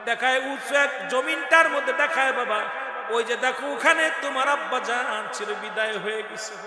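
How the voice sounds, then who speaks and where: A man preaching a chanted sermon, moving between quiet storytelling and sung, shouted wailing. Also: extremely high pitch, moderate pace. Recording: echoey hall with music behind.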